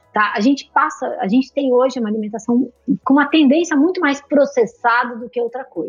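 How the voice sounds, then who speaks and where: Music plays in the background as a woman talks. Her pitch is high and her pace fairly quick. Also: ordinary pitch variation. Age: 40s. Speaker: nutritionist. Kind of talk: casual chat.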